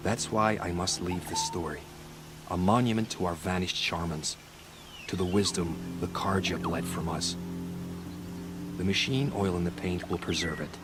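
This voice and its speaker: An actor playing a solemn tribal hunter and painter in a video game, speaking in a grave, measured, formal way. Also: male voice, deep voice, fairly even intonation, over music, close to an everyday voice. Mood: solemn, reverent.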